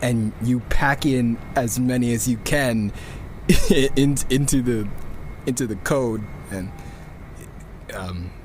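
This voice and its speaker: A man's voice: medium pitch, slow pace, pauses often, a little mellow, slight background noise, natural voice. A man playing a geeky, exasperated rocket programmer who rambles and swears through a casual audio log in a sci-fi drama. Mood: nerdy, rambling. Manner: rambling, self-interrupting, swearing.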